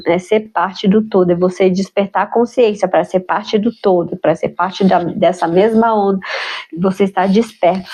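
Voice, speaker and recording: A woman with a mid-range, dark-toned voice sounds nasal and stuffed up from a cold. A spiritual vlogger, she muses aloud about her spiritual practice in a reflective personal talk. She tacks tag questions onto her sentences.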